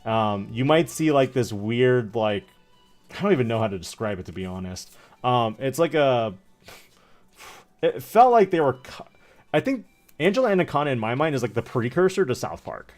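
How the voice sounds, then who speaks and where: A man in his thirties chatting casually on a livestream, rambling and joking in an animated way as he tells stories. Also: medium pitch, moderate pace, faint music behind. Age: 30s. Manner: rambling, animated, jokey storytelling. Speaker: streamer opening trading card packs.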